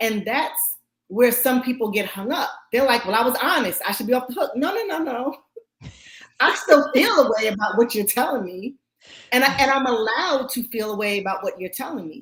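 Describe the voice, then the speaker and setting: A woman speaks in an animated tone at a high pitch. Her intonation is lively. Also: fairly quick pace. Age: 40s. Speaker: podcast guest sharing life experiences. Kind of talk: interview conversation. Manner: expressive, animated.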